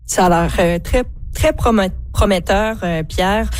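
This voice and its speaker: A woman's voice: mid-range voice, unhurried, dry recording. A woman hosting a morning radio show, interviewing a guest with some fillers. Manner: questioning, hesitant with fillers.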